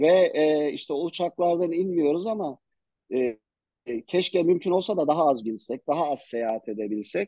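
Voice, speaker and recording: A normal speaking voice from a man, fairly high in pitch, with lively intonation at a moderate pace. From Turkey, Ankara. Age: 60s. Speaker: entrepreneur, businessman. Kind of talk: interview, life story.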